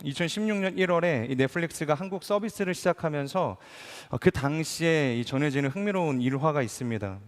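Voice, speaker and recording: Pastor guy preaching, kinda high voice, lots of rhetorical questions, long echo in a big church hall. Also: lively intonation, brisk, few pauses. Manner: acts out quoted speakers in changed voices. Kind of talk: sermon.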